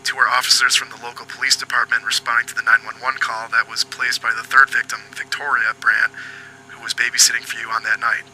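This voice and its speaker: A man playing a foul-mouthed but apologetic police agent in an audio drama, questioning politely and haltingly. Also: mid-range voice, little pitch movement, bright, forceful tone, soft background music, rough recording. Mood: businesslike, apologetic. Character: foul-mouthed, apologetic male detective agent hunting a killer.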